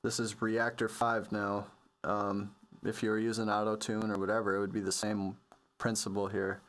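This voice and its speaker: A man presenting a music production tutorial in an informal, slangy, off-the-cuff way, speaking into a mic over a software demo. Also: lowish voice, completely flat delivery, moderate pace. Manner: informal, slangy, loosely improvised explaining. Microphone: computer voice-over on a microphone.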